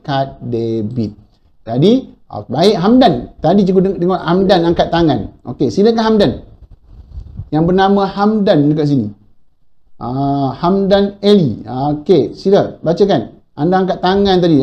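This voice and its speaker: A man's voice: fairly high pitch, highs cut off. Encouraging Malaysian male teacher. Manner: encouraging, repeats praise often. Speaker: primary school teacher. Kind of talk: online class lesson.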